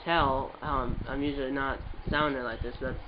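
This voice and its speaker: A man's voice: mid-range voice, steady tone, moderate pace. A man with a stuffed-up voice commentating his football video game in a casual, rambling way, calling the plays as they happen. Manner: rambling, with restarts and play-by-play calls. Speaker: gaming channel host. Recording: muffled with background noise.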